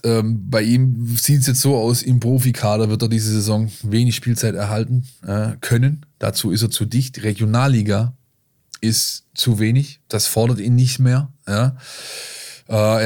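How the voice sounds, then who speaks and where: A man's voice: medium pitch, steady tone, moderate pace, a little mellow. Colloquial man talking football. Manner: colloquial, explanatory. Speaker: football podcast co-host. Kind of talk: casual football talk and analysis.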